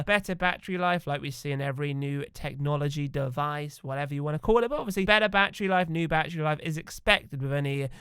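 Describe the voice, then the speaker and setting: A man's voice: fairly high pitch, fairly bright tone, smooth, no echo. Slightly nasal man with a cold. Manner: chatty, rambling with fillers. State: has a cough from a cold. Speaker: gaming video creator. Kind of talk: casual talk to camera.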